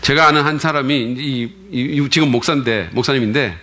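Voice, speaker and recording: A man's voice: mid-range voice, brisk, bright, forceful tone. A male pastor preaching a Sunday sermon in a conversational way, often putting questions to the congregation.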